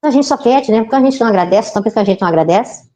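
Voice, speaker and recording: A woman giving an informal spiritist talk, chatty and often turning to the audience with quick tag questions. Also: fairly high pitch, animated, mellow. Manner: chatty, keeps asking the audience "né, gente?". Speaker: spiritist lecturer.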